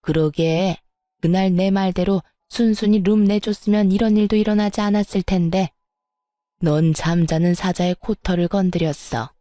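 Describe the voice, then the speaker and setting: A woman's voice: mid-range voice, steady tone, normal speed, dark tone, no room sound, clean studio sound, lightly acted. A woman voicing a scheming, spiteful older mother-in-law who sneers and plays the victim in a storytelling audio drama. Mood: gloating. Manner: sneering, then falsely pitiful.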